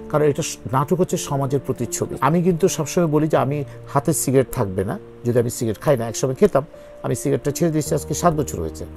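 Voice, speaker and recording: Male actor guest, gravelly, emphatic and sincere, interview chat. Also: mid-range voice. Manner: earnest, emphatic, pleading. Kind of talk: interview conversation.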